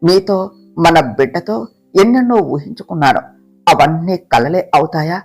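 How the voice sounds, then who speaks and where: A storyteller voicing a frightened young wife who pleads with her husband through tears, soft guitar playing behind. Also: mid-range voice, animated, normal speed, voice pushed down. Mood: tearful. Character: tearful young pregnant wife, fearful and devoted. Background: soft guitar music.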